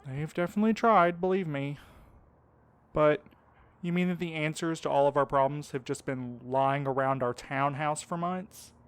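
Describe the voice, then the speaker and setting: Clear, lighter-voiced, earnest caring man acted out. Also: a little high, normal speed, dry recording, natural voice. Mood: puzzled. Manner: earnest, hesitant. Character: anxious, caring young man, devoted partner. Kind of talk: fiction podcast acting.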